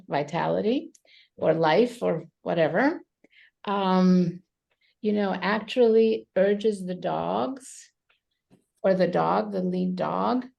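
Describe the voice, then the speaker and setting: A woman from Romania, a psychotherapist answering interview questions thoughtfully over a video call, with many pauses and fillers. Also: on the low side, vocal fry, mellow. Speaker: psychotherapist guest.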